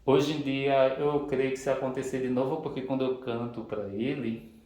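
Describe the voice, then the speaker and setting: A man's voice: medium pitch, fairly even intonation, normal speed, mellow. A man vlogging casually from his living room in loose run-on sentences, often tagging on a "right?", recorded in an echoey room at home. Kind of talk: casual spiritual vlog.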